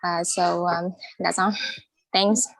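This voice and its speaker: A woman's voice: fairly low pitch, flat delivery, slow pace, gravelly, poor audio. A woman in her twenties with a Vietnamese accent, introducing herself hesitantly to an English class, with many fillers. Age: 20s. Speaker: student. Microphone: video call.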